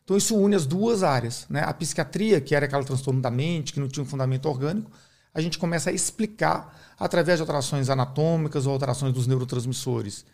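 A middle-aged Brazilian man, a neurologist, explaining his field in a measured, teaching way on a podcast, often tagging his sentences with a questioning aside. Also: on the high side, darkish tone. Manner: measured, didactic, uses many "né?" tags. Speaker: neurologist guest.

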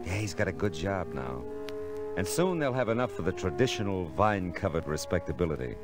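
A man's voice: low-pitched, sing-song, brisk. An American man acting a hard-boiled, wry private detective in a 1950s radio drama, clipped and slangy. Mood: wry narration. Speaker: lead actor and narrator of a radio detective show. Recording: old radio recording with music.

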